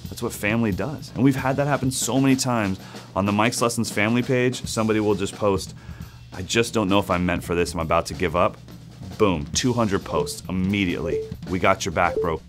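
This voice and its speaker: A man with a notably deep, low voice talks earnestly about his work as an online drum teacher. His reflective, conversational delivery suits a documentary interview, with faint music underneath. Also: brisk.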